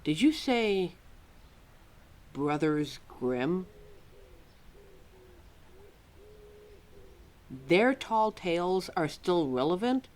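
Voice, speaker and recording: Woman acting as female lore keeper, fantasy audio roleplay, exasperated, opinionated, sarcastic, conversational, highly animated intonation. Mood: indignant. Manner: sarcastic, chatty, heavy sighs and mimicked quotes. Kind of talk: ad-libbed audio roleplay addressed to a listener.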